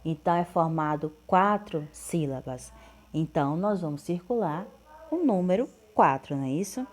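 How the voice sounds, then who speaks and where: A woman's voice: low-pitched, expressive, moderate pace, a little mellow. A woman teacher, going through workbook answers patiently and repeating each one. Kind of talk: correcting workbook exercises.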